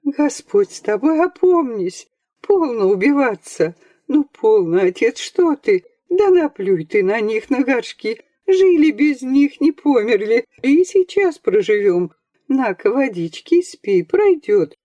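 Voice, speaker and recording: A woman's voice: on the high side, sing-song, slow pace, warm tone, dry recording, highs cut off, voice pushed up, exaggerated voice. A woman reading aloud, voicing a peasant mother who pleads with and comforts her husband. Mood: pleading. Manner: pleading, soothing, urgent.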